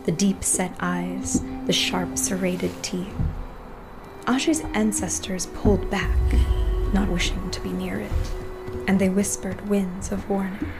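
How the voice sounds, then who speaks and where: A woman narrating horror fiction as game master, with measured, suspenseful storytelling. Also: medium pitch, flat delivery, poor audio. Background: music.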